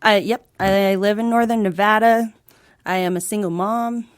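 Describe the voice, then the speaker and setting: A woman in her late thirties, a podcast guest, introducing herself in a relaxed, hesitant way. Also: medium pitch, moderate pace, no room sound. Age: 30s. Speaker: guest, counseling intern. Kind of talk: casual interview chat.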